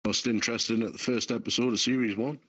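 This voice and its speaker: A man's voice: mid-range voice, fairly even intonation, quick pace, fairly bright tone, slightly rough, no room sound. A man giving casual banter as a quiz contestant. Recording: dull lo-fi dry audio.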